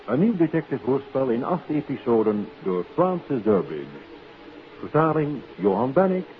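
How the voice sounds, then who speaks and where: A man's voice: mid-range voice, very animated, normal speed, a little hiss or hum. A man reading scripted titles and credits as the announcer of an old radio serial. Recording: very tinny vintage radio recording with music.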